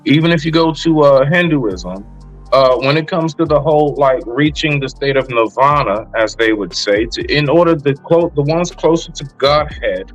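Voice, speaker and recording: Man, live-stream host, loose and chatty, mid-pitched voice, faint music behind. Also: animated, normal speed, lo-fi sound. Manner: loose and conversational, with frequent fillers and restarts; calls panelists brother and sister. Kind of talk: casual panel discussion.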